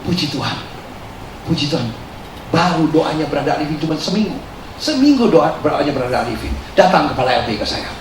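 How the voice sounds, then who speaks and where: A man pastor preaching a lively sermon, laughing often and slipping English phrases in. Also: a little high, fairly quick. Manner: animated, laughing, mixing in English. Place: large church hall. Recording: echoey hall, distant mic, audience noise.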